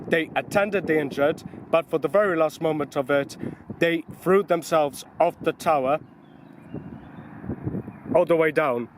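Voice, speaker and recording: A man's voice: fairly high pitch, slight background noise. A man walking and climbing around old castle ruins outdoors, chatting casually to his camera with frequent ums and uhs as he thinks aloud. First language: English. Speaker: vlogger. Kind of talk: casual travel vlog narration.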